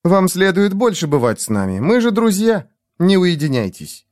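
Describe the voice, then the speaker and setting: Raised-voice nervous young woman, a male reader putting her on; lonely, pleading, high-strung. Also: sing-song, normal speed, darkish tone, no room sound, studio quality.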